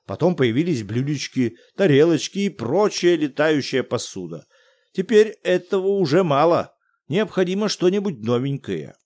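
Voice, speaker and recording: A man reading an audiobook, voicing an excitable elderly academic who shouts in loud, theatrical bursts. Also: medium pitch. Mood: lecturing. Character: excitable elderly male academic, pompous then frantic.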